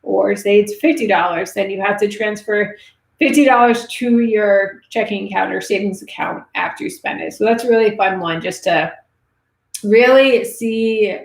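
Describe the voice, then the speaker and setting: A woman in her thirties hosting a casual livestream, chatting and reading viewer comments, her voice going raspy. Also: mid-range voice, normal speed. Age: 30s. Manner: chatty, reads viewer comments, many fillers. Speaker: livestream host answering money questions. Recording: roomy echo.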